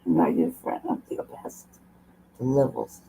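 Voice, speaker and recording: A woman host with a low, hoarse voice, chatting casually at a desk mic, rambling, laughing often and swearing. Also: expressive, a little fast, dark tone, a little hiss or hum, low-quality recording. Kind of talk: casual livestream talk.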